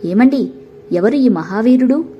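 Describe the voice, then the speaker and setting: A woman's voice: fairly high pitch, animated, a little slow, slightly rough, highs cut off. A woman doing a chatty village wife. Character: proud middle-aged village wife, chatty.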